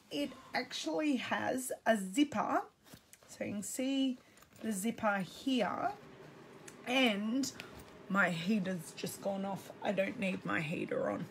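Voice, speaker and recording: A woman's voice: a little high, a bit bright. An Australian woman with a slightly scratchy voice, chatting casually on a live stream and greeting viewers by name. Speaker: craft product demonstrator.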